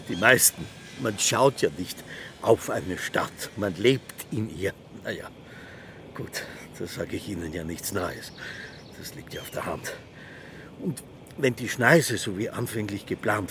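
An actor playing a talkative small-town mayor who rambles and chuckles while showing a visitor the view. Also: male voice, fairly low pitch, fairly bright tone, slight background noise. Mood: musing. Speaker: local official guiding a visitor.

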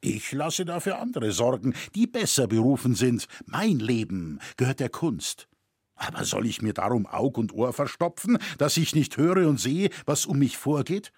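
Man voicing an upright cathedral builder, earnest and impassioned, husky tone, storybook part. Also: mid-range voice, sing-song, moderate pace, a little mellow, no echo, clean studio sound.

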